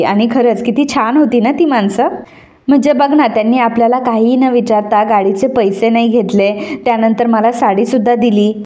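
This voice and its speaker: A woman's voice: fairly high pitch, warm tone, lightly acted. A woman voicing a playful, teasing young wife in a retold soap story. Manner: chatty, teasing.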